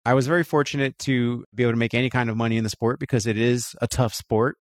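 A man's voice: medium pitch, fairly even intonation, quick pace, no echo, studio quality. A man from Florida, a podcast guest, telling his life story casually, peppering it with "you know" and "right?". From Florida, USA. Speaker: guest, co-founder of a voting rights group.

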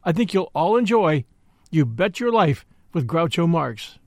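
Male host, scripted intro, high voice, lively swings, dry close sound. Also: a little slow, dry recording. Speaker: host introducing an old-time radio show.

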